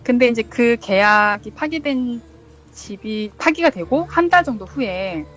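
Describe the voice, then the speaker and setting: A woman's voice: fairly high pitch, animated, unhurried, a bit bright. Woman telling a ghost story, dull lo-fi sound. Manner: chatty, many fillers, acts out quotes. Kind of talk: casual storytelling interview. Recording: dull lo-fi sound with faint music.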